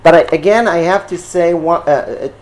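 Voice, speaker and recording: A man from Israel, a native Hebrew speaker, teaching a class in English with an Israeli accent. He explains at length and often stops on fillers and checks with his listeners. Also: a little high. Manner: halting, with frequent fillers and checks for understanding. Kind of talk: explanatory lecture.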